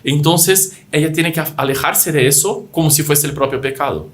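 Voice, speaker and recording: A man's voice: on the high side, normal speed. Non-native Spanish-speaking man explaining doctrine. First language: not Spanish. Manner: explains with examples and acted-out quotes, frequent restarts. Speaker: podcast co-host. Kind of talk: religious podcast discussion.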